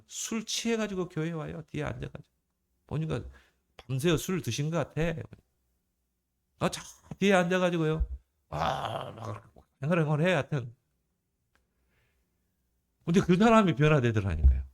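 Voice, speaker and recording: Male pastor, fairly high voice, conversational sermon with rhetorical questions. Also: sing-song, normal speed, vocal fry, long pauses. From South Korea. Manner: conversational preaching with rhetorical questions and shifting emphasis.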